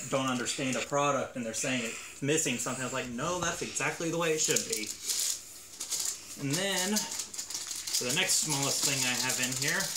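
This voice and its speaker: A man at a moderate pace, with ordinary pitch variation, over loud background noise. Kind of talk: casual unboxing commentary. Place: home room. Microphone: camera far.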